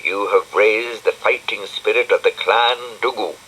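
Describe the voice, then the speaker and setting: A man voicing a grumpy, sarcastic shaggy dog who talks in a dry, muttering way, with a low and bright voice. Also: unhurried, a little hiss or hum, low-quality recording. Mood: grumbly.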